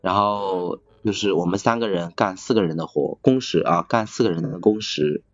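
A man in casual chat, talking haltingly and often repeating his phrases. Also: low voice, no room sound. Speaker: podcast speaker, factory assembly worker. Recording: slightly dull, music behind. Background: music.

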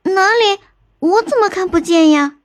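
An excitable young girl, the younger sister of a folk tale, as a woman narrator puts her on. She chirps very high and eager, full of wonder. Her lines come slowly and clearly, in storybook fashion. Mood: excited.

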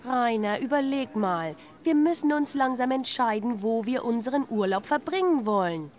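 A woman playing a German wife keen to plan a holiday, in a textbook listening-exercise dialogue, asking brisk, prompting questions. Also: a little high, expressive, a little mellow, natural voice. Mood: eager.

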